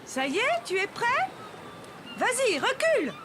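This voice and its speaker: Caring animated mom, high pitch, lively intonation, encouraging, gentle, children's cartoon. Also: female voice, a little slow, very noisy, full character voice. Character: caring, encouraging adult mother of young children.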